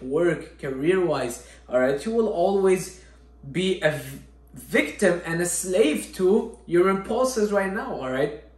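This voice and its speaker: A Syrian natural bodybuilder and fitness vlogger gives a motivational talk to the camera, earnestly and with frequent repetitions of "all right?" His voice is fairly high, and the room sounds echoey.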